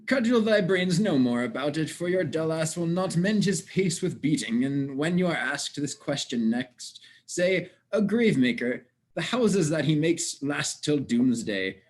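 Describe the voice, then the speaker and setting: A cheerful working gravedigger, acted by a man in a Shakespeare play reading. His voice sits fairly high and swings widely as he teases and argues in mock earnest, blunt and theatrical. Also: expressive, measured pace, few pauses. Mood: teasing, cocky. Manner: theatrical, teasing, mock-argumentative.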